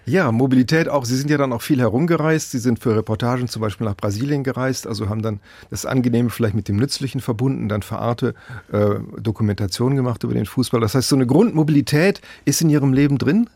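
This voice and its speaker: A man's voice: mid-range voice, quick pace, darkish tone, dry recording. Articulate male radio interviewer. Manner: articulate, probing questions.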